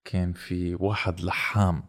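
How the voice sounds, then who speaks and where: A man's voice: low voice, little pitch movement, moderate pace. A man with a Levantine, Lebanese Arabic accent in casual conversation, switching now and then into English.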